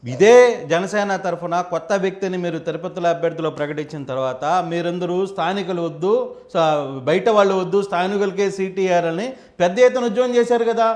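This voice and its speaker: A man's voice: high voice, fast, a little mellow. A man hosting a live news debate, putting probing questions and cutting in to moderate. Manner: probing, interjecting with short questions.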